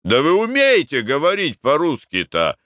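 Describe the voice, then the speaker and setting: A man's voice: a little high, wildly swooping pitch, normal speed, bright, forceful tone, no echo, clean studio sound, voice pushed up, exaggerated voice. A man voicing a bluff, easygoing middle-aged Russian merchant with a blunt, hearty manner.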